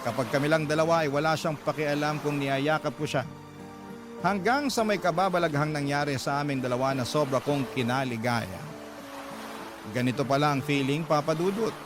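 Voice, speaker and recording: Male narrator as vain, dramatic older gay letter writer, playful and campy, higher pitch, music bed. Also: normal speed, natural voice. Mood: wistful, dramatic. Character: vain, witty, dramatic older gay man telling his story. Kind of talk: first-person radio letter drama.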